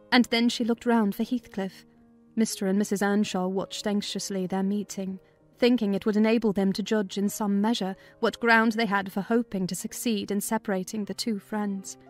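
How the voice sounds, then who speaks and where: A woman's voice: medium pitch, darkish tone. A woman narrating a classic novel as a scripted, dramatized audiobook reading.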